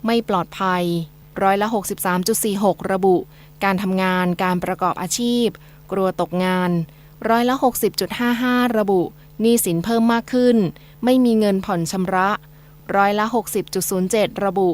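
A woman's voice: medium pitch, moderate pace. A woman reading scripted news as a radio newsreader.

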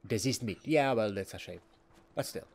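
A man's voice: lowish voice, expressive, normal speed, vocal fry. A man giving casual, rambling commentary while playing a video game, often chuckling. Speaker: let's play gamer.

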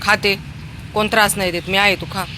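A woman vlogging on a city street, talking casually to viewers and coaxing street dogs with loud, high calls. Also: fairly even intonation, fairly quick. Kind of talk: casual vlog talk. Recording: noisy outdoor street recording.

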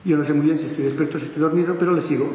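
A man with a Spain Spanish accent telling a story lively to an audience, acting out the voices, with many fillers and restarts. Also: on the high side, racing, highs cut off. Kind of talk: animated storytelling talk. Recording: echoey hall with faint noise.

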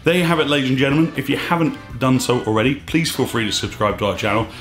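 A thirty-something scuba diving vlogger speaks fast and emphatically to camera, a bit exasperated and gesturing with his hands as he shares strong opinions. His voice is slightly hoarse, medium-pitched, and a bit bright, recorded in a small echoey studio with faint music.

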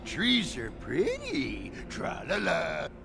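A gruff fantasy-game dwarf warrior, boorish and mocking. The voice is full of gravel, with hugely animated pitch and a slow, drawling delivery. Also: male voice, music in the background, exaggerated voice. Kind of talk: fantasy video game banter.

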